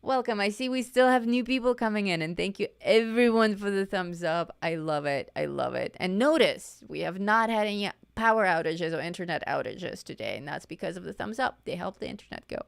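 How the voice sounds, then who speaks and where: Chatty woman teaching, voice going hoarse. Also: medium pitch, expressive, a little fast, hardly any pauses, no room sound, clean studio sound. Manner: chatty, self-correcting, repeats words. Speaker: art teacher streaming live. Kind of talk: live-stream coloring lesson.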